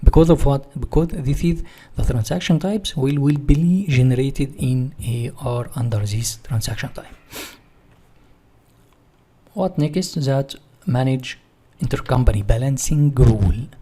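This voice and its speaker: Male software trainer, non-native English speaker, mid-pitched husky voice, didactic question-and-answer delivery for screen tutorials. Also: a little slow. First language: not English. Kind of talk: screen-share software walkthrough, part read from notes.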